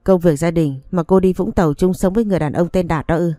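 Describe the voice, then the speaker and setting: A woman's voice: lowish voice, fast, dry recording, studio quality, faint music behind, natural voice. A woman reading a story aloud, voicing a stern young husband who speaks to his wife in a cold, accusing way. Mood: reproachful. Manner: cold, accusing, flatly reproachful.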